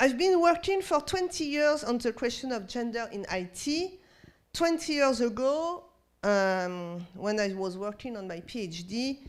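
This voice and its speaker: A woman speaks with a French accent at a fairly high pitch. Her pace is fairly slow, and her pitch swings very widely. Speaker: sociologist and researcher. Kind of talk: lecture. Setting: conference talk, livestreamed.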